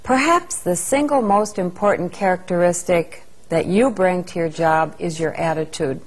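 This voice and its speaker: Calm and measured, like a scripted instructional video, a woman narrates a training lesson in a somewhat low voice.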